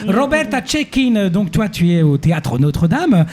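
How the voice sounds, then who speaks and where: A woman's voice: medium pitch, big pitch swings, normal speed, darkish tone. A woman interviewing a guest in a casual radio chat, talkative and encouraging, often chiming in with agreement. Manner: chatty, encouraging with frequent agreement.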